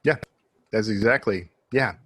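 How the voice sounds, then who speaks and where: A man's voice: lowish voice, measured pace, fairly bright tone, breathy edge. A man hosting a podcast, chatting casually and informally with a guest. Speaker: podcast host.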